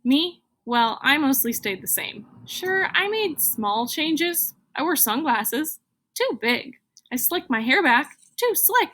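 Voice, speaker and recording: A woman voicing a self-doubting, uncool little bean who tells his own story in an expressive, confiding storybook delivery. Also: high-pitched, slow, heavily acted. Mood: self-deprecating, glum.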